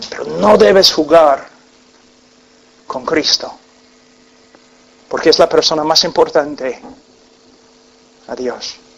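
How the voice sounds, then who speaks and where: A man with an English accent speaks at a very slow pace with long, frequent pauses and big swings in loudness, over noticeable background noise. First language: English (speaking Spanish). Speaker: preacher. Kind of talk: sermon. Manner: halting.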